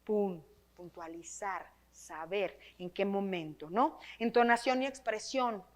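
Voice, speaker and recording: A woman's voice: medium pitch, slow pace. A woman with a Mexican accent leading a workshop for teachers, talking with a trained, projected voice and often checking in with her listeners. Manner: lively, tags phrases with questions to the audience. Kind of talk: teaching workshop on reading aloud. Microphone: microphone.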